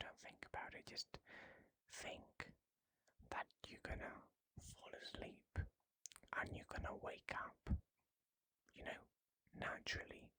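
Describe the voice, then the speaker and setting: The voice whispers at a very slow pace. Long, frequent pauses break it up. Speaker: ASMR creator. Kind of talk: guided meditation and sleep aid rambling. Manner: soft-spoken, slow.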